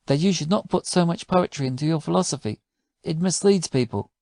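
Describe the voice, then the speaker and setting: A man's voice: a little high, a little fast, vocal fry, darkish tone, no echo, clean studio sound. A man reading the part of an earnest, wistful poet in a storybook, with formal, old-fashioned phrasing. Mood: retorting. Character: earnest, wistful male poet, gently argumentative.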